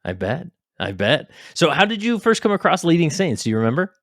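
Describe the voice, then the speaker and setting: A man's voice: a little high, sing-song, fairly quick, a bit bright, no room sound, studio quality. A man hosting a podcast interview in a casual, upbeat way, with loose fillers like "you know.".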